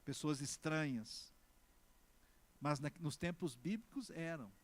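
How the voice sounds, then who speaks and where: Speaking as a pastor, this man with a Brazilian Portuguese accent delivers a sermon in a slightly high voice. His emphatic style alternates loud outbursts with slow, weighted words, and he repeatedly calls for responses from the congregation.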